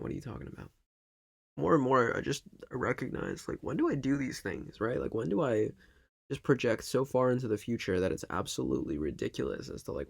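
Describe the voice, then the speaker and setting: A man talking casually to his audience in a reflective, halting monologue, often checking in with a questioning tag. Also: fairly low pitch, gravelly. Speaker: vlog host.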